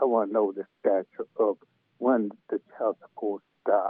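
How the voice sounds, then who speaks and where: A man speaks with fairly even intonation. His pitch is fairly low. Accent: Southern US. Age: 60s. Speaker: caller. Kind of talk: phone-in question. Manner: halting. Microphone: hard to hear through phone line.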